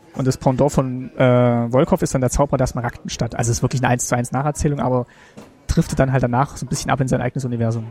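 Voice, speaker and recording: Speaking very fast, a man keeps his medium-pitched voice fairly even in intonation. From Gera region, Thuringia, East Germany. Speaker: podcaster. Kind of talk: casual chat. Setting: walking around a museum.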